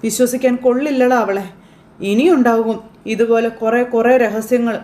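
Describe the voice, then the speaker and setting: A woman voicing a bitter, scheming middle-aged mother who turns her son against his wife, read slowly with light acting. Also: a little high, steady tone, dark tone, lightly acted. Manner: slow, lightly acted reading of reported lines.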